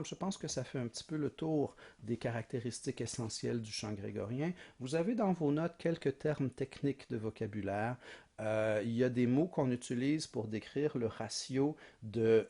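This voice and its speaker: Husky-voiced man teaching music history. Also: medium pitch, moderate pace, warm tone. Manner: explanatory, asks rhetorical questions, sings short examples. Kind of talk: recorded lecture.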